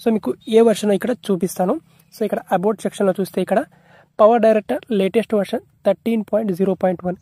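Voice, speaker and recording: A man's voice: high-pitched, fairly even intonation, rapid-fire, dark tone, no echo. A man narrating an app tutorial in a repetitive, instructional way, mixing in English tech terms.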